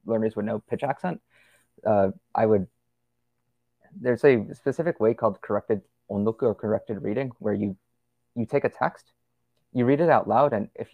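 A man's voice: fairly low pitch, gravelly, a little mellow, no room sound. A young man as a podcast guest, chatting casually and rambling with lots of fillers and restarts. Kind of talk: casual conversational interview.

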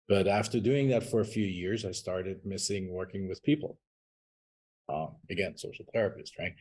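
Husky deep-voiced man, earnest. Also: darkish tone. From Austria. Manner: earnest, rambling storyteller with filler ums. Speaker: podcast guest. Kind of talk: interview conversation.

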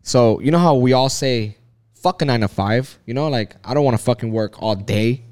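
A man's voice: mid-range voice, fairly quick, darkish tone, clean tone. A man in his thirties in a casual chat, rambling along with lots of swearing and filler words. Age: 30s.

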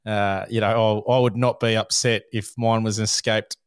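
A man hosting a podcast, easygoing, summing up his guest's points in a relaxed, chatty way. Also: fairly low pitch, moderate pace, smooth, no echo, studio quality. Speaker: podcast host. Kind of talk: casual podcast chat.

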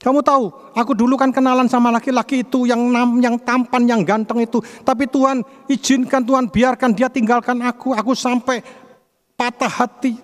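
A man's voice: very high voice, flat delivery, moderate pace, big-room sound, voice pushed up. A man voicing a heartbroken, bitter young woman. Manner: bitter, accusing.

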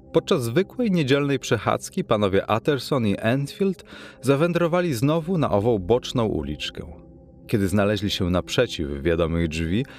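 In a mid-range voice, a man reads a classic novel as an audiobook, delivering it in a measured yet expressive way.

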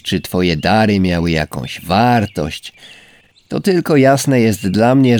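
A man voicing a proud, aloof male snail in a storybook reading, speaking slowly and coldly, as if lecturing. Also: fairly low pitch, a little mellow. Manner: slow, indifferent, lecturing. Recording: faint background music.

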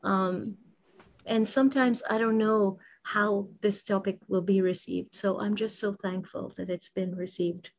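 A woman's voice: mid-range voice, steady tone, a little slow. A woman co-hosting a casual panel chat, talking in a reflective, emphatic way. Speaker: co-host.

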